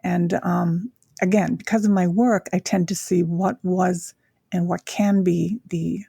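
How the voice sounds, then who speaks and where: An older woman from Japan, a guest talking reflectively in a casual interview, pausing often with fillers. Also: fairly low pitch, steady tone, gravelly, mellow, breathy edge, dry recording, studio quality. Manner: reflective, with frequent pauses and fillers.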